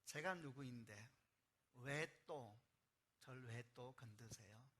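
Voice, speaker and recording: A male pastor voicing a weeping, despairing old Moses who cries out to God in slow, hushed anguish. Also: medium pitch.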